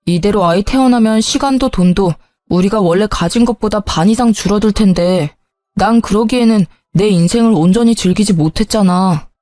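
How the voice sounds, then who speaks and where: A woman's voice: mid-range voice, normal speed, dark tone, dry recording, close to an everyday voice. A woman voicing an irritable young husband who brushes things off and scolds. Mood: apologetic. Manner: curt and scolding, then sheepish.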